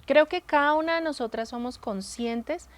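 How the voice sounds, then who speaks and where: A woman's voice: high-pitched, normal speed. Woman explaining with rhetorical questions. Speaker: co-host of a Christian women's talk show. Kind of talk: faith-based casual conversation.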